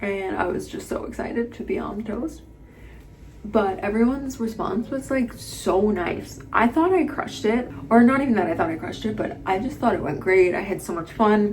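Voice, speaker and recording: A woman speaks at a moderate pace with a fairly high pitch and lively intonation. Audible room echo and noticeable background noise surround her voice. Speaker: lifestyle vlogger. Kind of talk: casual vlog talking to camera.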